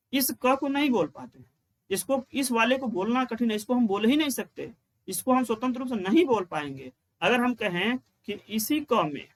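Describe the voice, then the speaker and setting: A man with a high voice teaches an exam-prep grammar lesson. He explains step by step, repeats the key lines and answers his own questions as he writes on the board. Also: fairly bright tone. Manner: chants rules in a slow sing-song.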